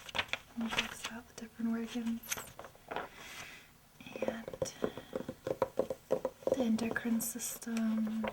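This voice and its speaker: A soft-spoken woman with a fairly high pitch and a nervous tone, monotone and flat, at a very slow pace with long, frequent pauses, amid noticeable background noise. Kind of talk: ASMR video, casual talk to camera. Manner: nervous, soft-spoken.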